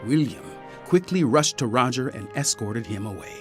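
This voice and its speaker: A man's voice: medium pitch, animated, normal speed, fairly bright tone, lightly acted. A man narrating a scripted murder mystery audio drama in a theatrical storytelling manner. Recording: music bed under the voice.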